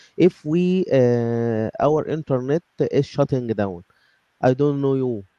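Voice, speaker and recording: Speaking in an Arabic accent, a man has a fairly high pitch, ordinary pitch variation and a dark, mellow tone. He goes at a very slow pace, and the sound is dry and close with no echo. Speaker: audience participant. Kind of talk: casual chat. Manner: halting.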